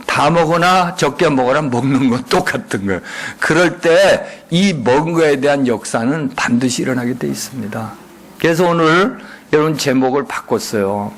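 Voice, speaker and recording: 예배당에서 설교하는 중년 남성 목사로, 회중에게 수시로 질문을 던지고 응답을 유도한다. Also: male voice, mid-range voice, lively intonation, moderate pace, a little hiss or hum. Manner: call-and-response, frequent rhetorical questions. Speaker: guest pastor. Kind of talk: sermon. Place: church sanctuary.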